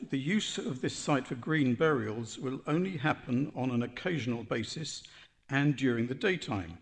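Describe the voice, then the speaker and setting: Earnest man pleading to a council committee. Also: mid-range voice. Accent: English. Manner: earnest, persuasive, measured. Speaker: speaker addressing planning committee. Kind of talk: formal prepared statement. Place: council chamber. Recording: council webcast with long hall reverb.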